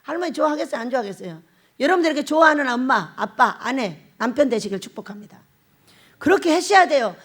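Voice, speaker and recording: A middle-aged woman pastor preaching a sermon in an animated way, laughing often and putting questions to the congregation. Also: high-pitched, quick pace.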